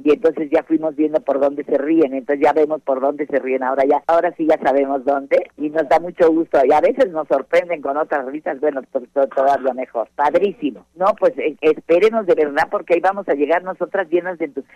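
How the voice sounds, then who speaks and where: Effusive Mexican actress on a dull line. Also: female voice, low-pitched, fairly even intonation, a little fast, few pauses, mellow, no echo. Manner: effusive, repeats words, many "no, no, no" asides. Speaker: stage actress giving an interview. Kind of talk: casual interview chat.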